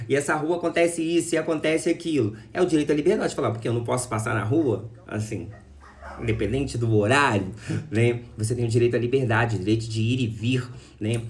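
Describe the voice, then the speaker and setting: Somewhat breathy and at a medium pitch, a man talks at a very fast pace with ordinary pitch variation. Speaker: YouTuber. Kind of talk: casual vlog monologue. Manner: halting.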